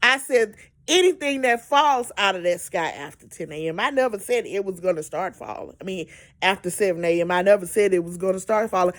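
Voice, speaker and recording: A woman's voice: mid-range voice, expressive, fairly quick. A woman giving a casual weather update, exasperated and emphatic, repeating words for stress. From Georgia, US. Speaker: amateur weather commentator.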